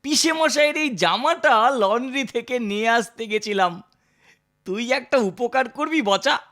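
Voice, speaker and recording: A man's voice: very high voice, expressive, a little slow, sharp tone, full character voice. A man voicing a sly, boastful teenage boy prankster in a cartoon, with a smug, mock-sweet, taunting way of talking. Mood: smug, cheerful. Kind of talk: Bengali cartoon character dialogue.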